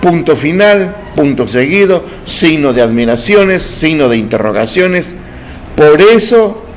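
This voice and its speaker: Man preaching a sermon, slow and deliberate, keeps asking the congregation questions, faint hiss behind. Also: fairly high pitch, creaky. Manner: didactic, quizzing the congregation with rhetorical questions; slow, deliberate emphasis on words.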